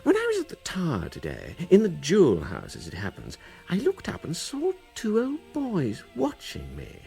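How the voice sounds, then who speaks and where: A man playing a smug, scheming jewel thief and smooth lover with a British accent in a comic radio play. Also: a little high, huge pitch swings, moderate pace, warm tone, faint music behind, heavily acted. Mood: confident, scheming.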